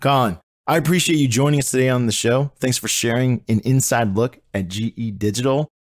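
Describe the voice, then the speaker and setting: A man's voice: medium pitch, fairly quick, no room sound, studio quality. A man hosting a podcast, asking interview questions in an upbeat, joking way. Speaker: podcast host.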